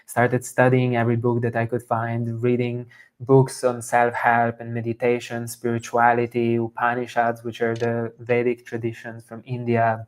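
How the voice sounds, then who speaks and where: Guest, male, 30s, from Slovenia; earnest and steady, with little pitch movement. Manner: steady, earnest, even-toned. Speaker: guest, somatic coach. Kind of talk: storytelling in an interview.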